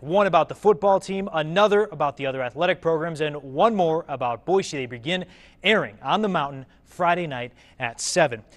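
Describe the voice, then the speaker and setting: Male American sportscaster, high-register voice, emphatic read of scripted local sports news. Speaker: TV sports anchor.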